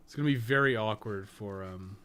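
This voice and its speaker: Male game streamer, lower register, loose sweary think-aloud commentary, some background noise. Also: fairly quick. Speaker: game streamer and podcast co-host. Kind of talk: casual unscripted gameplay commentary. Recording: clearly noisy background.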